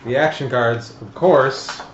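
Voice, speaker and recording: A man hosting a casual tabletop game stream, explaining the rules in a halting, hesitant way. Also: medium pitch. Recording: roomy, dull audio with faint noise.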